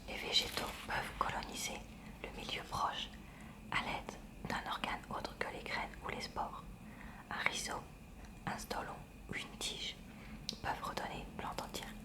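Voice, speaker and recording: A woman reads a textbook aloud for ASMR in a breathy, unvoiced library whisper, hushed and careful. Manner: hushed, careful, measured reading. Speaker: ASMR reader. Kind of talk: soft ASMR read-aloud of a school science textbook.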